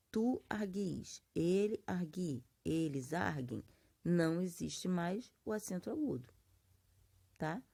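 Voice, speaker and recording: A woman's voice: lowish voice, vocal fry, warm tone, slightly rough. A Brazilian woman teaching a grammar lesson, explaining patiently and drawing out example words syllable by syllable. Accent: Brazilian Portuguese. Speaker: Portuguese teacher. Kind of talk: classroom lesson.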